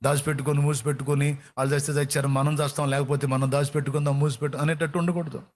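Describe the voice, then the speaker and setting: A man's voice: a little high, little pitch movement, very fast. A man preaching a sermon with fervor, repeating phrases for emphasis. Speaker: pastor.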